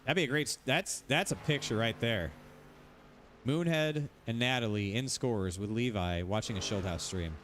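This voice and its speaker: A man's voice: mid-range voice, moderate pace, fairly bright tone, slight background noise. A man streaming sim racing, ranting casually, rambling and repeating himself, swearing freely. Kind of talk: casual livestream rant.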